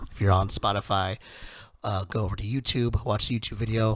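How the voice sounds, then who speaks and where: A man's fairly low voice at a very fast pace, monotone and flat. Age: 30s. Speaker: podcast host. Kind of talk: casual monologue. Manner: halting, many fillers.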